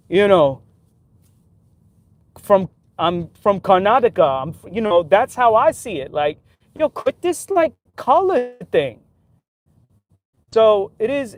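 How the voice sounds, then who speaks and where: A man's voice: a little high, a little mellow. A man talking casually in a livestream, giving his opinions in loose street talk full of "like" and "right?". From New York City.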